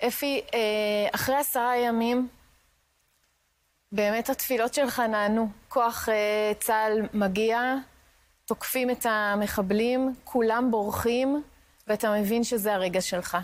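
A woman interviewer who guides the guest's story with measured prompts and narration. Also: on the high side, steady tone.

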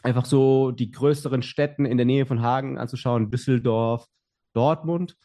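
A man's voice: medium pitch, fairly even intonation, moderate pace, mellow. A young adult man, a podcast guest, telling his story in casual talk with many fillers and restarts.

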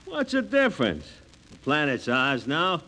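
A loud cocky boozy spaceman, sharp bright voice, very animated, old 1950s radio drama. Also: on the high side, unhurried, exaggerated voice. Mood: cocky defiance. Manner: loud, boastful, swaggering. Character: brash, rowdy, boozing crewman, crude and cocky. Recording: noisy vintage radio recording.

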